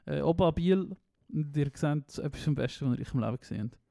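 Fast-talking Swiss German man, rambling. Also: a little high, animated, gravelly, mellow, no echo, studio quality. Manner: rambling storyteller, laughs often, trails off mid-sentence. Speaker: podcast co-host. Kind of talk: casual chat.

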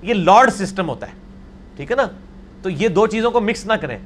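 Emphatic male scholar, high-pitched, corrective Q&A delivery. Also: expressive, a bit bright, slight background noise. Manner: emphatic, argumentative, quick to correct. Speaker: religious scholar answering questions. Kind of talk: conversational Q&A lecture.

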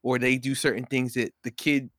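A man on a casual podcast who circles his point with repeated false starts before committing to it. His pitch sits at an average level. The recording is dry and close. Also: flat delivery, moderate pace, fairly bright tone, no room sound. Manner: restarts often, hesitant build-up before his point. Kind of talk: casual discussion.

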